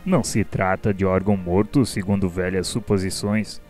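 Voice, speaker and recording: An actor playing a wise, generous spiritual mentor in a radio drama, lecturing formally and didactically with a Brazilian accent. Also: male voice, low voice, steady tone, moderate pace, darkish tone, soft background music, close to an everyday voice. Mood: calm, instructive.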